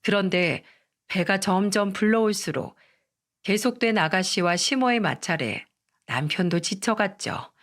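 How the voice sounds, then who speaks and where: A woman telling a first-person story in calm, scripted narration. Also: mid-range voice, unhurried.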